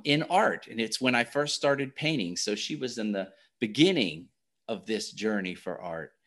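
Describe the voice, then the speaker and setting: A man's voice: medium pitch, fairly bright tone. A man hosting a podcast interview, talking in a hesitant way with many restarts. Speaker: podcast host.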